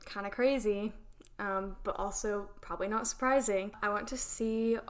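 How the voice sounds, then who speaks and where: A woman's voice: mid-range voice, fairly even intonation, normal speed. A young woman co-hosting a casual podcast chat, upbeat and rambling, with many "um"s and "like"s. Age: young adult. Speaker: podcast co-host.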